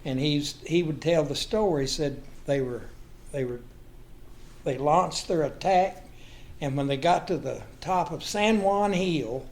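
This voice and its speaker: Older man, higher-pitched voice. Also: a little slow, a little mellow. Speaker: guest storyteller. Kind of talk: folksy anecdotal storytelling.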